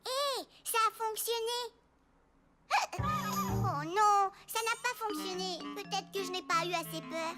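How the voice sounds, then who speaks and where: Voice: very high-pitched, sing-song, slow, exaggerated voice. A performer voicing an eager, polite little boy in a French children's cartoon. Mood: worried, frustrated. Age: young child figure. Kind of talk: dubbed children's cartoon acting. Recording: music behind the voice.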